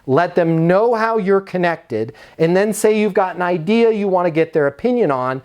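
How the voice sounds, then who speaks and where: A man's voice: high voice, animated, moderate pace, darkish tone, clear, resonant tone. An American man coaching on sales in a conversational, instructive way, slipping into acted-out example dialogue.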